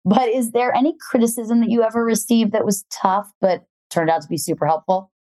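A woman's voice: a little high, fairly even intonation, brisk, mellow, dry recording. A woman hosting a podcast interview, casually agreeing with her guest and asking long, rambling questions. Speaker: podcast host.

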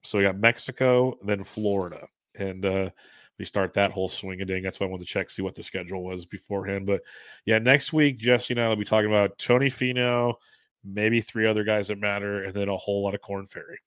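A man's voice: fairly low pitch, little pitch movement, brisk, fairly bright tone, no room sound. A man co-hosting a casual sports podcast, talking loosely while sick. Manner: loose, rambling, chuckles often. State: sick, under the weather. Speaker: podcast co-host. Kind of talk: casual sports betting chat.

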